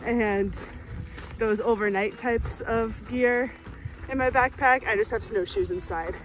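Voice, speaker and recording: A woman's voice: a little high, low-quality recording. A woman hiking vlogger talking casually to camera while trudging along a snowy winter trail outdoors.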